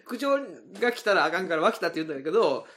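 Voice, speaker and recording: A man's voice: sits high, very fast. A man with a Kansai accent, co-hosting a podcast, backing up his partner with short blunt retorts and teasing jabs. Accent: Kansai Japanese. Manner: blunt teasing retorts, steady back-channeling. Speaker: podcast co-host. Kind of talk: casual comedic chat.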